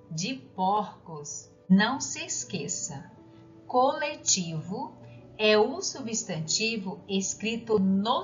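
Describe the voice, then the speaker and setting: A woman teacher giving a recorded lesson, speaking slowly and clearly and putting questions to the listener. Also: medium pitch, fairly bright tone. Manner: slow, clear, didactic, asks the listener questions. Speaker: primary school teacher. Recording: dull lo-fi sound with faint background music.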